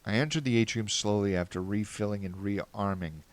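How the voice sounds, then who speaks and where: A man's voice: on the low side, moderate pace. A man narrating a first-person fan fiction story in a wry, earnest way.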